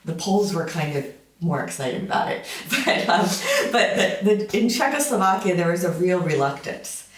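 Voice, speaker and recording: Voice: medium pitch, lively intonation, moderate pace. A lecturer in their fifties giving an informal summer school talk, conversational and full of fillers, with wry asides. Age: 50s. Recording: roomy sound from a distant mic.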